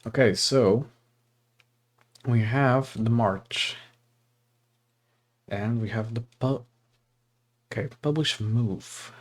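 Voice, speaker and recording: A man's voice: mid-range voice, drawn-out words, long pauses. A young man from Portugal chatting on a livestream, rambling with fillers and reading text aloud at his desk mic. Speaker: streamer. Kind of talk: casual livestream chat and reading.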